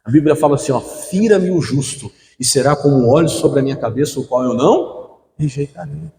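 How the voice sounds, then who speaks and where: A man's voice: on the high side, fairly quick, creaky, mellow, a little hiss or hum. A young man from Brazil preaching a sermon as pastor, calling out questions for the congregation to answer. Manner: call-and-response preaching, asking the congregation to fill in words. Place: church hall. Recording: echoey hall.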